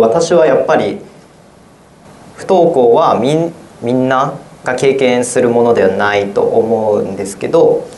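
A man's voice: mid-range voice, darkish tone. A teenage boy, a student guest, speaking off the cuff in a hesitant way with many fillers. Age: teens. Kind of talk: casual spoken reflection. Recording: roomy sound with faint noise.

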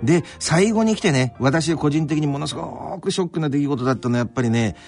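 Lively fast-talking man from Kanto. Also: on the high side, soft background music. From Kanto, Japan. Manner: animated storytelling with many fillers. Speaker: radio interviewer. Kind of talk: casual radio talk.

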